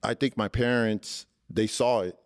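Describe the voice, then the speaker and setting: A man's voice: lowish voice, a little slow, dry recording, studio quality. A man in his forties from Los Angeles, talking casually as a podcast guest with a loose, restart-filled flow. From Los Angeles, born in El Salvador. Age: 40s. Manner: relaxed, loose, peppers talk with "man", frequent restarts. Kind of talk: casual interview talk.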